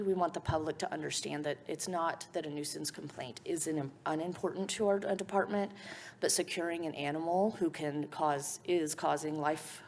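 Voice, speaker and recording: A woman with a hoarse voice from a cold, presenting a formal briefing to a city council, halting at times with restarts. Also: low-pitched, slight background noise. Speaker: animal services official presenting to city council. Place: council chambers.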